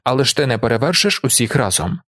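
Man reading as stern tribal chief, firm, commanding, measured, audiobook, dry sound. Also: medium pitch, expressive, fairly bright tone, no echo.

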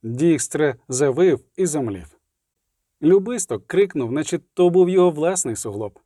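A male audiobook narrator who reads with brisk, vivid drive. His voice is dark and mellow, a touch high for a man. The recording is close and dry with no room sound. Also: lively intonation, no room sound. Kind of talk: scripted narration.

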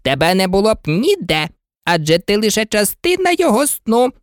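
A woman voicing a contrary, teasing boy twin in a storybook reading, cocky and excitable. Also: mid-range voice, normal speed, no room sound, clean studio sound, voice pushed up, lightly acted.

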